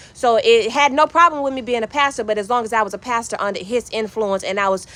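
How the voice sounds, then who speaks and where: A woman speaks at a fairly quick pace. Her pitch is fairly high, with ordinary variation. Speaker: spiritual testimony vlogger. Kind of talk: testimony. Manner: halting, with fillers.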